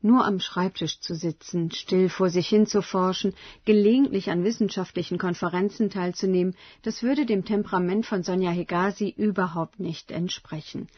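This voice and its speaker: A woman reporter reading a scripted radio feature in a measured, even way. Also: on the low side, husky, no room sound, dull audio.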